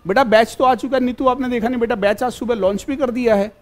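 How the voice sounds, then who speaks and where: With an extremely high pitch, fairly even intonation and a fast pace, a man teaches exam prep in a live online class. He's repetitive and fatherly, using "beta" for his students and repeatedly checking that they follow.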